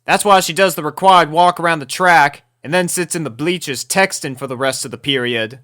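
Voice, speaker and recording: A woman's voice: deep voice, brisk, a bit bright, pitched above the performer's own voice. A woman voicing a brash, sporty teenage tomboy in a story reading, with a blunt, cocky delivery. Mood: scornful.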